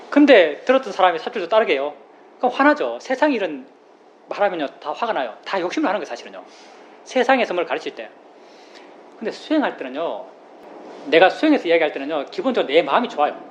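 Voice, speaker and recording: A Buddhist monk giving a plain-spoken dharma talk, who repeats key phrases and explains with everyday examples. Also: male voice, high voice. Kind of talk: dharma talk to a meditation group. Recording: slightly dull recording with faint room noise.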